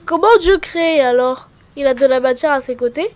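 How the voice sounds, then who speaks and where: A woman's voice: sits high, normal speed, no echo, lightly acted. A female performer voicing a curious, eager and outspoken little girl in a Christian children's cartoon. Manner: inquisitive, plain-spoken.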